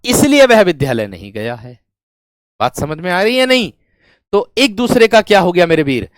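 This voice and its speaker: North indian guy teaching grammar, real slow, keeps checking if you got it, dry close sound. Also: high-pitched, fairly bright tone, dry recording. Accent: Hindi-speaking North Indian. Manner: repeats points, keeps asking students if they understood; calls students friend and brave one. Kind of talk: exam-prep grammar lesson.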